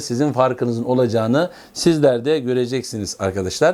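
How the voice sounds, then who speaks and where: At a moderate pace, the voice has a dark, mellow tone with ordinary pitch variation. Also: man. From Istanbul, Turkey. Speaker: math teacher. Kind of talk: channel introduction, direct address to students. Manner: hesitant fillers.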